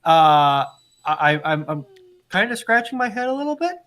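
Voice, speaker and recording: A man's voice: sits high, sing-song, normal speed, a bit bright. A man moderating a casual live discussion, speaking hesitantly and often restarting his sentences. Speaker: live stream moderator and panelist.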